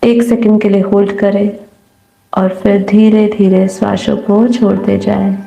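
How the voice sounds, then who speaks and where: A woman guiding a meditation in a soothing, unhurried manner with long pauses. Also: mid-range voice, level tone, gravelly, dark tone. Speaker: meditation guide. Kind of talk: guided meditation, slow calm instruction. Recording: roomy echo. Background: faint music.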